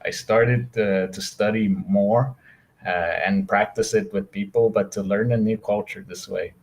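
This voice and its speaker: A man's voice: lowish voice, steady tone, unhurried, darkish tone. An American man, a guest in a casual live-streamed interview, speaking easily with many fillers and switching into Portuguese at times. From United States.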